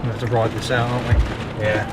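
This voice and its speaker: A man's voice: medium pitch, flat delivery, fast, heavy background noise. A man out storm chasing, chatting casually with his companions in short, urgent remarks. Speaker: storm chaser. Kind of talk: casual excited chat while storm chasing. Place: outdoors or in a vehicle on a storm chase. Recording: distant mic, very loud music.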